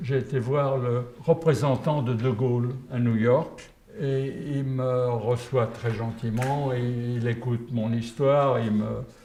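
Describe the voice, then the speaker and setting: A man's medium-pitched voice at a very slow pace with fairly even intonation. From France, Paris. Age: 90s. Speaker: war veteran. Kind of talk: testimony.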